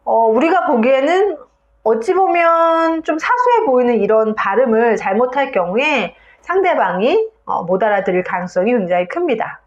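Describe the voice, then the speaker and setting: A woman's voice: on the high side, very animated, normal speed, echoey room, lo-fi sound, slight background noise. A woman English teacher giving a video lesson on pronunciation, explaining step by step and saying example words aloud.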